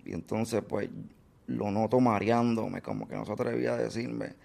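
A man recalls a painful family loss as an interview guest, halting and full of fillers. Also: lowish voice, steady tone, gravelly, warm tone. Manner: halting, many fillers and restarts. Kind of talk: emotional personal recollection.

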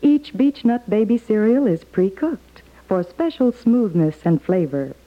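A woman's voice: medium pitch, expressive, a little slow. Thin-sounding vintage radio commercial, female announcer. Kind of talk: scripted 1950s radio advertisement. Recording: thin narrow-band old radio, faint music.

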